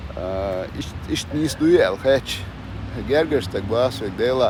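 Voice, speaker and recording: Someone with a Chechen accent speaks at a very slow pace with ordinary pitch variation. Noticeable background noise is present. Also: man. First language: Chechen (speaking Russian). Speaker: video blogger. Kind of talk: live stream chat with viewers. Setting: outdoors.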